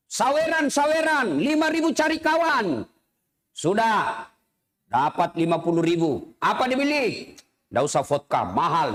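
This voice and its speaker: A middle-aged man, preaching a humorous sermon. His voice sits high for a man. He tells jokey stories and jumps between high and low voices to play the people in them. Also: a bit bright. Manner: jokey storytelling, acts out characters with big pitch swings.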